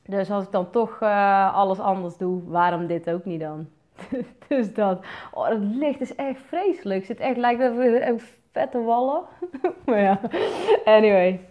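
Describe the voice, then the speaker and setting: A woman's voice: mid-range voice, unhurried. Chatty Brabant woman, lo-fi livestream. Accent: Brabant Dutch. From Netherlands, North Brabant. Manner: chatty, many fillers, swears casually. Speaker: business coach and podcaster. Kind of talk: casual livestream chat. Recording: slightly dull lo-fi sound.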